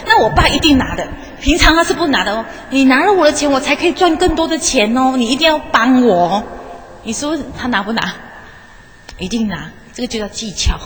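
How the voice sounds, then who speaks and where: A woman's voice: on the high side, fairly bright tone. A woman, a former teacher, giving a live motivational talk in a chatty, coaxing way and often asking the audience questions. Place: lecture hall. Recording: echoey hall, faint background noise.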